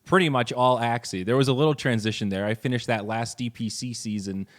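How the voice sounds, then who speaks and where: A man hosting a casual interview, talking in a relaxed, rambling way with friendly asides. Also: medium pitch, a little fast. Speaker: podcast host.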